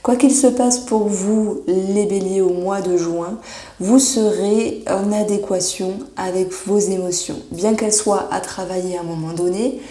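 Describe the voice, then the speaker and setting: A woman giving a monthly horoscope tarot reading, reassuring and often pausing with fillers as she searches for words. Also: mid-range voice, steady tone, warm tone. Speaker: tarot reader. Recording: echoey room.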